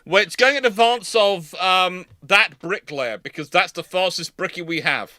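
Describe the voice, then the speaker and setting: Bright-voiced man hosting a dry, close-miked livestream. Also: sits high, moderate pace, dry recording. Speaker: host of a naval history livestream. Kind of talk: casual panel chat and commentary.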